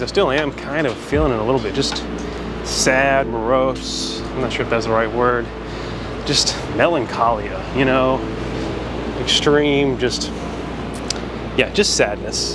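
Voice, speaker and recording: A vlogger and creative freelancer in his thirties from Shreveport, Louisiana, rambles casually and reflectively while walking a downtown street. His voice is medium-pitched, he holds the camera at arm's length, and music plays in the background.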